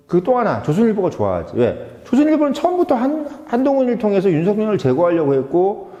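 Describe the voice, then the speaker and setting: A man talks through political commentary in a casual monologue, driving his points home with rhetorical questions and shifting between polite and blunt speech. His pitch swings widely, and his tone is mellow. The recording sounds dull and roomy, with a long reverb tail.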